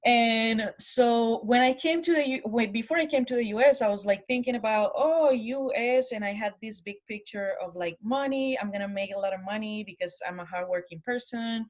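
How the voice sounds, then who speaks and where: A woman with a Colombian Spanish accent giving an informal personal presentation, halting, with frequent pauses and restarts. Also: on the high side. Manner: halting, hesitant, many pauses and false starts. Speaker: guest speaker, college program manager.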